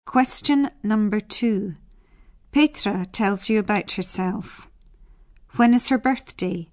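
A woman reads scripted exam instructions. Her voice sits at an average pitch, with a slow, measured, neutral delivery and a dry sound free of echo. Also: darkish tone. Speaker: exam narrator.

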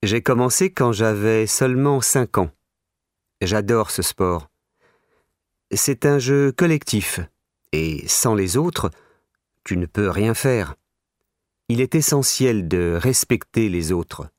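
A man's voice: lowish voice, expressive, darkish tone, no echo, studio quality. A man playing a keen young rugby lover. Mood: earnest. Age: young adult. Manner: slow, plain, careful delivery. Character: young male rugby fan, earnest and keen. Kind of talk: scripted listening-exam monologue.

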